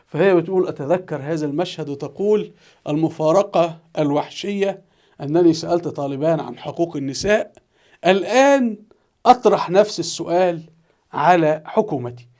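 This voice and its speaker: A man's voice: on the high side, fairly quick. A man with an Egyptian accent, a teacher telling a news story as commentary and acting out the quoted voices. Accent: Egyptian Arabic. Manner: animated, acts out quoted voices.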